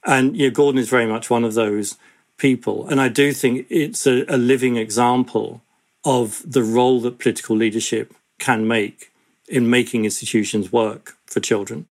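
Brief: man, mid-pitched, earnest interviewee, measured with passion. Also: steady tone. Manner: measured, passionate, with "you know" fillers. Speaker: education campaigner, interviewee.

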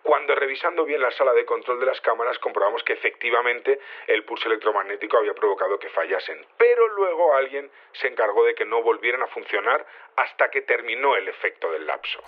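A man playing an earnest, defensive security chief in an audio drama, explaining haltingly through a phone filter. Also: medium pitch, expressive. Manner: hesitant, halting explanations with frequent tags. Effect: phone-line filter. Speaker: head of security interviewed on air. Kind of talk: audio fiction acted as a live call-in interview. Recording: dull, band-limited phone call.

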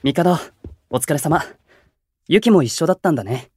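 An actor playing a calm, gentle young male idol who keeps the peace in a Japanese voice drama, speaking politely and with composure. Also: on the high side, moderate pace, breathy edge, no echo, studio quality. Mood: friendly. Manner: soft-spoken, composed, polite and reflective. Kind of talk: Japanese anime-style voice drama acting.

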